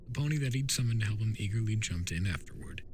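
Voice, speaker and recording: Male story narrator, lowish pitch, dramatic reading style, faintly noisy recording. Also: expressive, fast talker, a little mellow. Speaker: narrator, amateur voice performer.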